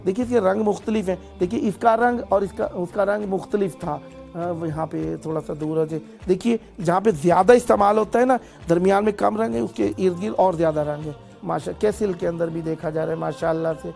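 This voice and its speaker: A man's voice: high-pitched, steady tone, creaky, darkish tone, faint music behind. A man hosting a live TV call-in show, thanking callers with blessings and explaining things on air, stumbling now and then over foreign place names. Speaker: TV call-in host.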